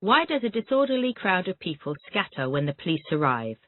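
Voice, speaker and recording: Pitched in the middle with wide swings up and down, this voice belongs to an English teacher doing a Callan method drill. Vocabulary words come first, followed by short, repetitive questions asked rapidly, all captured in thin, dry, phone-like audio.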